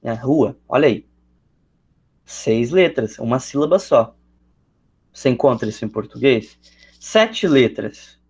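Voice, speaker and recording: A man's voice: medium pitch, lively intonation, a little slow, pauses often, darkish tone, breathy edge. A man teaching an English lesson, explaining step by step and thinking aloud with frequent fillers. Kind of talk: classroom lesson explaining grammar.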